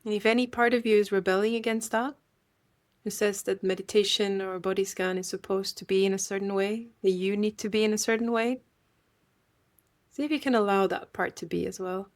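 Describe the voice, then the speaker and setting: A woman leading a guided meditation in a gentle, unhurried way, leaving long pauses. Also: medium pitch, fairly even intonation.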